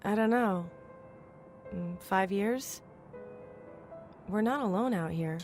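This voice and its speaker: A woman's voice: mid-range voice, slow pace, a little mellow, faint music behind, natural voice. An actress playing a plucky, frank female survivor of a spacecraft crash in an audio drama. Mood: concerned, steady.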